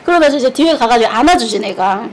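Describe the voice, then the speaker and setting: A woman's voice: a little high, expressive, fast talker, slight background noise, low-quality recording. A woman from Korea, chatting candidly while eating and telling stories frankly, with laughter and blunt words. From North Korea. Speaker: mukbang streamer.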